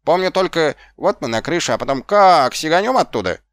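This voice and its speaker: A man's voice: a little fast, no echo, close to an everyday voice. A man reading an audiobook, voicing a scruffy, sly, workshy male corporal in a raised voice. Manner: higher, lively, wheedling. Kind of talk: audiobook character voice.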